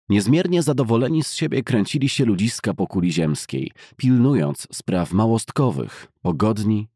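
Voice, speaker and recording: Deep husky male audiobook narrator. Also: warm tone, no room sound, clean studio sound. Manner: measured, formal, deliberate reading. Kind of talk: scripted literary narration of a classic science fiction novel. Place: dry recording studio.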